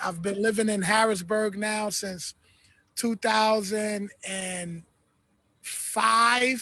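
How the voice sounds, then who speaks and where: A man with a New York accent uses a raised, projected voice with a bright, sharp tone, a high pitch, a fairly even intonation and a very slow pace. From Brooklyn, New York. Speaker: nonprofit president. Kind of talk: interview.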